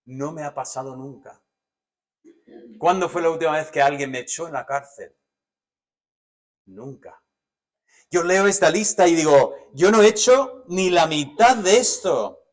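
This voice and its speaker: A man with a Spanish accent from Spain preaching a sermon as pastor, animated, swinging between loud emphatic lists and soft, low asides. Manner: animated, varies loudness widely, drops to soft asides.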